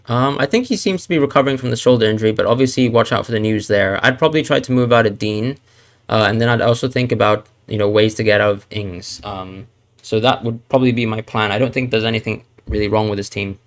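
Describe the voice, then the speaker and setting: A man's voice: on the low side, fast. A man from Hong Kong hosting a live Q&A stream, thinking aloud and hedging, with frequent fillers and restarts. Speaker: fantasy football streamer. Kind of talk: live Q&A stream answering chat.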